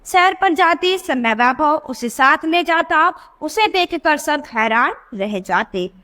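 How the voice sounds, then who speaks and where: High-pitched woman teaching little kids to read, asks questions then answers them, drags out words to show sounds. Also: expressive, takes it slowly, sharp tone. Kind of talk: children's lesson.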